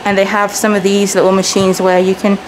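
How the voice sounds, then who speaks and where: A woman in her thirties whose first language is Persian chats brightly through a self-filmed hotel walkthrough, with her pitch jumping up now and then. The sound is handheld camera audio with clear background noise from the indoor lobby. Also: completely flat delivery, a little fast. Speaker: travel vlogger. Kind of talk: casual walking hotel tour.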